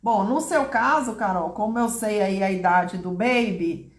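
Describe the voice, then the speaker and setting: Reassuring woman in an echoey room. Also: measured pace. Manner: warm, reassuring, speaks directly to viewers by name; acts out short quoted lines in a higher voice. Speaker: therapist answering viewers' questions. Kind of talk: live online talk.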